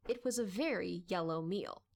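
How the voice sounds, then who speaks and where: A woman's voice: on the low side, moderate pace, vocal fry, darkish tone. A woman reading scripted story narration in a dramatic audiobook style.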